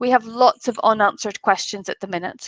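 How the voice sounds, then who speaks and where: A woman in an Irish accent, fairly high in pitch, at a moderate pace, with ordinary pitch variation and a dry, close sound with no echo. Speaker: family lawyer. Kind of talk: lecture.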